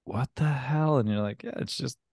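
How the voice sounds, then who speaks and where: A man's voice: mid-range voice, normal speed, darkish tone, slightly rough, no room sound, clean studio sound. A man hosting a podcast in a casual, laid-back, affirming way. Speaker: podcast host. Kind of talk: casual chat.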